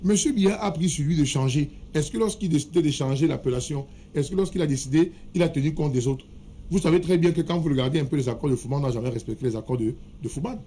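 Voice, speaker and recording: A man's voice: a little high, fast, warm tone, a little hiss or hum. A man arguing his point in a heated studio debate, insisting that he be allowed to finish speaking. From Cameroon. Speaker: political debate panelist.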